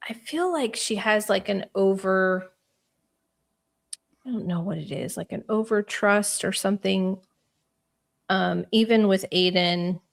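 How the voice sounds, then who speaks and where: Mid-pitched woman rambling casually. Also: measured pace, creaky, pauses often. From Spain. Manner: rambling, thinks aloud with many fillers. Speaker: host. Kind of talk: casual livestream chat.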